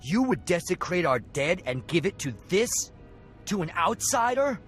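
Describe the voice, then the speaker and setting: An actor playing an angry young tribal warrior who speaks in an accusing, fiery way. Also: male voice, high-pitched, very animated, normal speed, faint music behind. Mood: furious.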